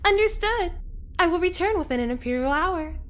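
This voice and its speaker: A woman's voice: very high-pitched, expressive, a little fast, a bit bright, voice pushed up. A woman voicing a polite, literal-minded female ship's android in a sci-fi audio drama, speaking in formal, emotionless stock phrases. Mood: formal, neutral.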